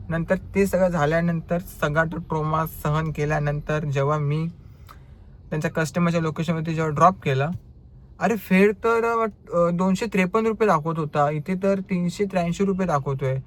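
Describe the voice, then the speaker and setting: A young man with a Marathi accent tells stories from his driving shifts in an animated, chatty way, acting out what customers said. His voice sits a bit higher than most men's. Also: normal speed, slight background noise. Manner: animated storytelling, acts out quoted customers. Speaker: ride-hailing driver vlogger. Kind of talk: casual storytelling vlog.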